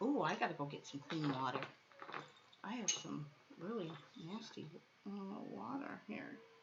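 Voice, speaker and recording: An American accent with very wide pitch swings and long, frequent pauses, amid audible room echo and noticeable background noise. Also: woman, fairly low pitch for a woman, moderate pace. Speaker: mixed media artist. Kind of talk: live stream tutorial. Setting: live stream. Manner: casual, thinking aloud.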